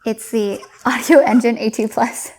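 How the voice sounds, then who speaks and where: A woman's voice: fairly high pitch, steady tone, a little slow, a little mellow. A woman in her twenties talking casually to camera at home, candid and chatty, laughing often. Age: 20s. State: losing her voice. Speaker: content creator. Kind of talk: casual vlog talk.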